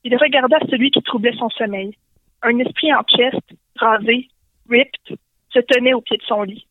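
A woman's voice: fairly high pitch, fairly even intonation, normal speed, no echo. A woman with a Québécois French accent reading a comic story aloud over a phone call, in a playful way. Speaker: guest storyteller. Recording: tinny phone line.

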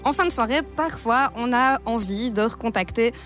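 High-voiced young woman presenting a radio segment. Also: normal speed, a bit bright, soft background music. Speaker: intern and columnist. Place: radio studio.

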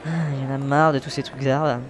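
A man's voice: medium pitch, flat delivery, racing, a little hiss or hum, natural voice. A man voicing a sarcastic young orphan hero who grumbles and wisecracks, in a fan cartoon dub. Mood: cheeky. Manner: sarcastic, cheeky.

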